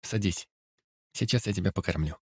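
Soft coaxing young woman, bit secretive, man reads her, quiet low voice. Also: moderate pace, breathy edge, no echo.

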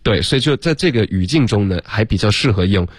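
A man teaching English pronunciation on a radio lesson, explaining slowly in a bilingual way and modelling English lines. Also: fairly low pitch, animated, dry recording. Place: radio studio.

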